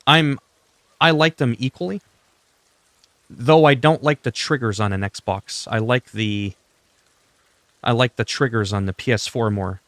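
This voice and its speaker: A man's voice: mid-range voice, a little slow, long pauses, fairly bright tone, dry recording. A man whose first language is French, chatting casually with viewers on a gaming livestream, opinionated and talkative. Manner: chatty, opinionated, talks to chat. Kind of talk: casual livestream chat while playing.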